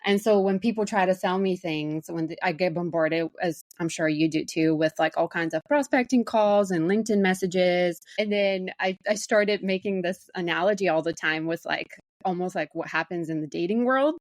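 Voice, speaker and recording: A woman's voice: fairly low pitch, normal speed, few pauses, no echo. A woman in her forties from Bulgaria, talking casually and thoughtfully as an interview guest, with some fillers and restarts. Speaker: guest, marketing director.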